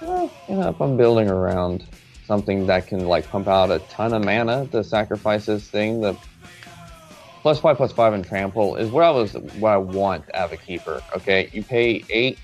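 A man's voice: lowish voice, lively intonation, moderate pace, soft background music. A man co-hosting a casual podcast, giving enthusiastic and opinionated takes on game cards. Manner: enthusiastic, opinionated card analysis. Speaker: podcast co-host. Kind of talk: casual chat.

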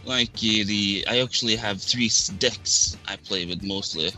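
Norwegian man, low and bright-edged, shy guest speaking in halting English. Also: soft background music. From Norway. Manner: shy, hesitant. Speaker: podcast guest. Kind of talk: casual chat.

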